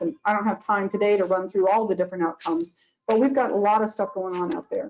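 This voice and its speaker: Speaking at a very fast pace, a woman uses lively intonation at a medium pitch. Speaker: public health researcher. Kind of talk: webinar presentation. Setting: online webinar.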